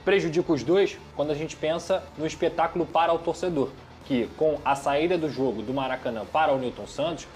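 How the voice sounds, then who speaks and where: A man with a Brazilian Portuguese accent giving an animated, opinionated football analysis in a studio sports debate. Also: fairly high pitch, a little fast, few pauses, faint music behind. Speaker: sports commentator.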